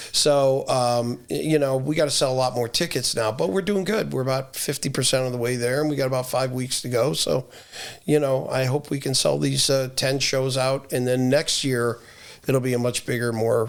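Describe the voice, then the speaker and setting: A man speaks with an American accent at a medium pitch. His pace is moderate and his intonation fairly even. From Rochester, New York, US. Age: 60s. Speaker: music writer and tour promoter. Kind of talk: casual interview chat. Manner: halting, many repetitions.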